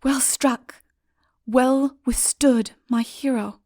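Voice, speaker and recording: An ardent young lady of romance, played by a female narrator. She speaks high and breathy, in tender courtly phrases, for a fantasy storybook. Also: fairly even intonation, slow pace, mellow, no echo, clean studio sound. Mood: admiring.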